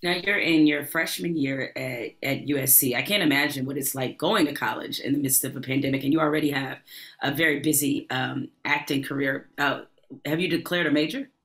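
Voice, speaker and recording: A woman hosts the interview from a room at home, speaking close to a studio microphone. Her voice sits very low for a woman, and she asks her questions in a relaxed, conversational way. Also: a little fast. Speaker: podcast host. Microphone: studio mic close up.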